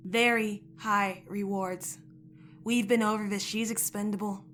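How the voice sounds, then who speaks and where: A woman's voice: medium pitch, fairly even intonation, measured pace, fairly bright tone, a little hiss or hum, natural voice. Woman playing a cold, commanding, curt schemer. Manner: terse, clipped, stern. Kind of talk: audio drama acting.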